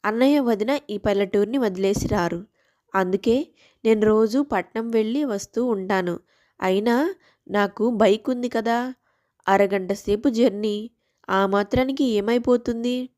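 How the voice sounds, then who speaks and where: A woman's voice: mid-range voice, unhurried, long pauses, a little mellow, pitched below the performer's own voice, natural voice. A woman voicing a firm, loyal young husband in a family moral story, stern and insistent. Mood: indignant, firm. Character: firm, loyal young working husband scolding his wife.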